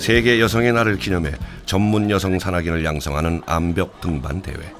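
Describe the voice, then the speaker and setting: Music plays behind a man with a very deep, low voice. His pitch moves in an ordinary way. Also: moderate pace. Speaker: documentary narrator. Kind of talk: documentary narration.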